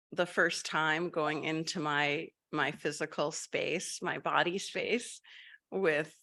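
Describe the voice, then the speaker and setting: A woman guiding a group meditation, her low voice carrying a crisp, bright edge. She drifts gently from thought to thought, with soft fillers and restarts. She sounds like she is on a video call. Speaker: meditation guide.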